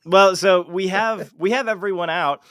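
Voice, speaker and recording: A man's voice: high voice, normal speed, crowd noise. A man hosting a casual livestream interview, talking informally and swearing freely. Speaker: show host and amateur voice actor.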